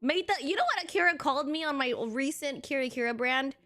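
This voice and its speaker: High, bright-voiced woman streamer. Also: quick pace, faint music behind. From Filipino heritage. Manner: blunt and profane, frequent laughter. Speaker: live streamer. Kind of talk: casual live-stream chat.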